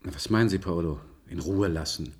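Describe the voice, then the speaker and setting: An actor playing a calm doctor gently coaxing a patient in a 1970s radio drama. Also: male voice, low voice, a little fast, breathy edge.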